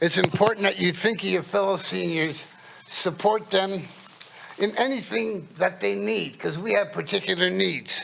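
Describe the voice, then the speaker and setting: Male speech at a moderate pace amid noticeable background noise. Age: 70s. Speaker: public commenter, senior citizen. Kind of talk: public comment. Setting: city council meeting.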